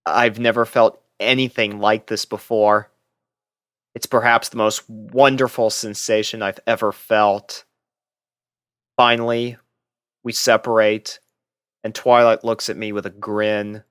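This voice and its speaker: Slow, smooth-voiced male story narrator. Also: lowish voice, level tone, a bit bright, no echo, clean studio sound. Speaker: fan fiction narrator. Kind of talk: scripted first-person story narration.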